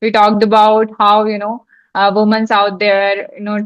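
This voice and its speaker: At a moderate pace, a woman with a fairly high pitch speaks in a monotone, flat manner. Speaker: youtuber. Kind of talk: interview answer.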